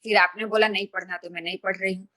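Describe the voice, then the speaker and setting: A woman's voice: mid-range voice, fairly even intonation, fast, bright, forceful tone. A woman in a study group earnestly describing her fears about reading aloud to the group. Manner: earnest, nervous confessional telling. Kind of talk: casual group sharing.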